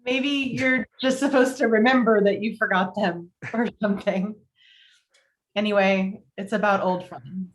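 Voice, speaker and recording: A woman's voice: mid-range voice, steady tone, measured pace, natural voice, rough recording. A woman reading the part of a fond, particular woman in love in a romantic comedy script. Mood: gentle musing. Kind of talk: script table read. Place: virtual call from home.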